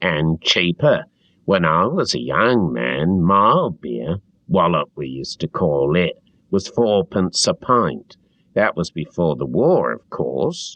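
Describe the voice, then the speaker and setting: A man puts on a rumbling character voice at a very deep, low pitch. He moves at a fairly slow pace with very wide pitch swings. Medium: read story. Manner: cantankerous, grumbling.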